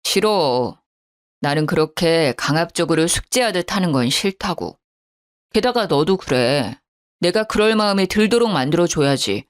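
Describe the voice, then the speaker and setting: A woman's voice: on the low side, lively intonation, moderate pace, natural voice. A woman voicing a sullen, dismissive husband. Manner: defensive, dismissive. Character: sullen young married man, the husband. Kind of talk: storybook narration.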